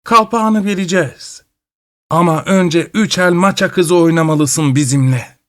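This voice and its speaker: A man voicing a shrill, screechy old witch who cheats at cards and taunts her opponent. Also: unhurried, close to an everyday voice. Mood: taunting. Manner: mocking and taunting. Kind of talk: storytelling.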